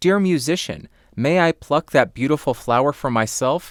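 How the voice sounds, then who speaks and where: Someone performs a put-on character voice at a moderate pace, in a very clean recording with a silent background. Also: man, fairly high pitch for a man. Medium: read story.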